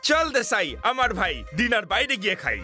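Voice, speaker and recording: A man's voice: extremely high pitch, big pitch swings, brisk. An actor voicing a naive, kind-hearted man who speaks in sing-song rhymes in a dubbed cartoon. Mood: simple cheerful. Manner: sing-song rhyming, ends rhymes with a call to clap. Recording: cartoon dub over loud music.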